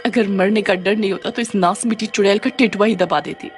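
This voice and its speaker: Cartoon village wife, shrill and nagging, high pitch; man doing the voice. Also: fairly even intonation, brisk, faint music behind, close to an everyday voice. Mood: grumbling. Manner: scolding, shrill. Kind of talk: cartoon voice acting.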